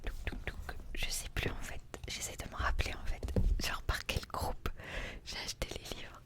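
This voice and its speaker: Whispering young woman, ASMR book chat. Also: moderate pace. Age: young adult. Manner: soft library-like whisper throughout; informal, rambling, youthful slang.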